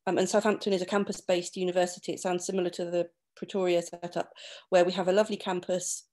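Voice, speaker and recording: A woman's voice: on the low side, flat delivery, fast talker, darkish tone. A woman lecturer giving a thoughtful, somewhat tentative talk on an online panel. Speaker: university lecturer and school manager. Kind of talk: panel presentation. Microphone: laptop webcam on a video call.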